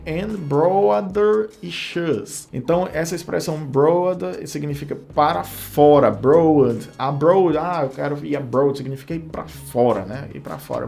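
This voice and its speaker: A man's voice: a little high, creaky, a little mellow. A Brazilian man teaching, with a Brazilian Portuguese accent, walking through an English text word by word in a casual lesson. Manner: explains word by word, thinking aloud.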